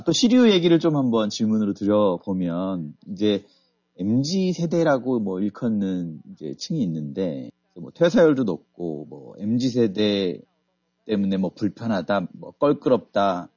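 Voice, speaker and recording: A male radio host with a low, husky, dark voice. He asks questions in a casual, agreeable way. The sound is dry and dull. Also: no echo. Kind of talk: radio interview. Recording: dull lo-fi radio studio audio.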